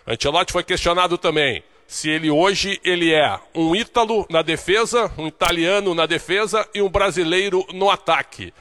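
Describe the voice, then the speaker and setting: A man giving a steady, informative sports report as correspondent for a radio show. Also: high voice, moderate pace, hardly any pauses.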